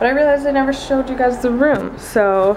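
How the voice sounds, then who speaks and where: Noticeable background noise fills the clip. A woman speaks at a moderate pace. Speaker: vlogger. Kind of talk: casual vlog chat. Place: home room. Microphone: phone near.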